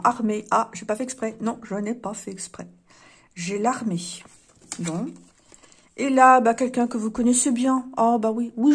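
A woman hosting a casual card-reading video, talking to her viewers in a chatty way with wry asides and lots of fillers. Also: on the high side. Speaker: card reader.

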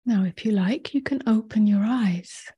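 This guided meditation comes from a woman teacher whose fairly high voice stays soft and breathy, close to a whisper. She speaks gently and pauses at length.

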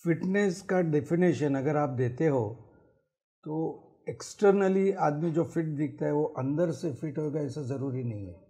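Middle-aged male heart doctor, TV studio guest, gravelly mellow tone, slightly high, switches into English phrases. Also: moderate pace. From Mumbai. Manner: mixes English phrases into Hindi, lists symptoms and risks. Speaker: cardiologist guest. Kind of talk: explanatory interview answers. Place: TV studio set.

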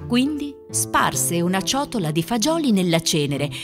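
A woman narrating a children's fairy tale from a script in an expressive storytelling manner. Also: medium pitch, normal speed, faint music behind.

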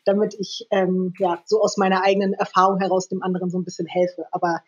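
A woman's voice: on the low side, level tone, quick pace, husky, muffled recording. A woman in her thirties, a guest on a podcast, talking at length and laughing often. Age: 30s. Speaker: guest, presenter and author. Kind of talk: casual interview.

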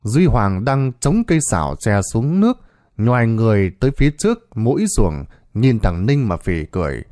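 A man narrating a scripted horror story in a dramatic, expressive way. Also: lowish voice, normal speed, dry recording, studio quality.

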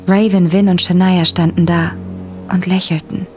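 First-person audio drama narrator, a young woman voiced by a woman, tense and breathy; music in the background. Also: fairly low pitch, flat delivery, normal speed, a little mellow, close to an everyday voice. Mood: shaken. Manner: dramatic, breathy, dropping to whispers. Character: young woman recounting a shocking discovery.

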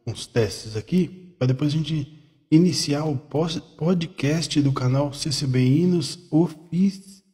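A man's voice: fairly high pitch, takes it slowly, dark tone. A man hosting a live stream, joking and laughing often, his voice run through an added echo effect. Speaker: channel host testing equipment. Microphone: new studio microphone on a stand. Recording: long echo effect, applause sound clips.

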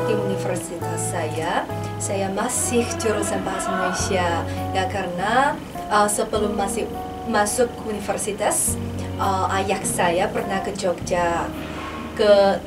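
A woman in her twenties from China with a Chinese accent, chatting as an interview guest. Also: medium pitch. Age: 20s. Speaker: exchange student, interview guest. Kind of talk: conversational interview answers. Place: small padded indoor podcast studio. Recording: distant mic, loud music behind.

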